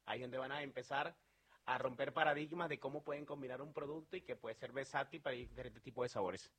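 A man's voice: mid-range voice, fairly even intonation, quick pace, fairly bright tone, breathy edge. A man from Venezuela with a Venezuelan accent, talking earnestly as a sales manager in an interview, with many fillers and restarts.

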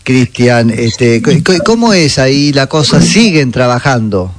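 Male radio host, mid-pitched voice, quick and stumbling, clear background noise. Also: sing-song. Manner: quick, conversational, stumbling restarts. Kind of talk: radio interview.

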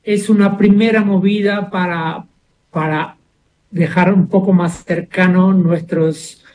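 Captured in a rough recording, a mature Brazilian man speaks slowly in a high, somewhat dark voice with fairly level intonation. Interviewed casually as a musician, he pauses to find his words, his native Portuguese-speaker's Brazilian accent tinged with Buenos Aires Argentine.

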